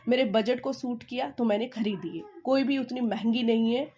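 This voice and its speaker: Indian woman, english teacher, fairly high voice, repeats points, asks okay often. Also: dark tone, husky. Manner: slow, stressed dictation when reading English sentences; explains with repetition and "okay?" check-ins. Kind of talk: Hindi-English language lesson.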